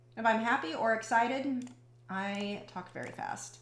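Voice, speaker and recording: Her fairly high voice carries lively intonation, and audible room echo surrounds this woman's speech. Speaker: artist streaming a drawing session; digital artist streamer. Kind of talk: live stream chat while working. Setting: live stream. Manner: fast-talking; casual, filler-heavy. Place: home room.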